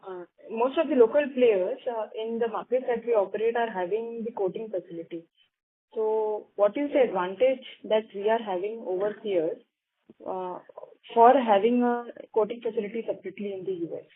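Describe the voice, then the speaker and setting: A woman analyst puts questions to company management on a call. Her voice is fairly high and husky, and it comes through a narrow, muffled telephone connection. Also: moderate pace. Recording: muffled narrow phone line.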